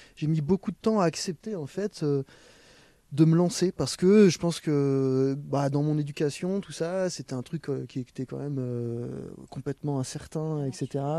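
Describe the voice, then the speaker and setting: With a dark, mellow tone and a fairly high pitch, a man speaks at a fairly slow pace in a dry, close sound with no echo. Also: ordinary pitch variation. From Picardy, Amiens. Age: 40s. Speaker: singer. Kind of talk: radio interview. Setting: radio studio.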